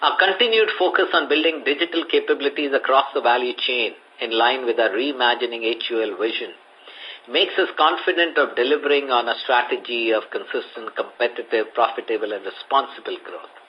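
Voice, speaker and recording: A man's voice: mid-range voice, fairly quick, slight background noise. A man with an Indian accent, reading a prepared earnings presentation as a company executive on a conference call. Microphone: conference call line. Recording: muffled conference call audio.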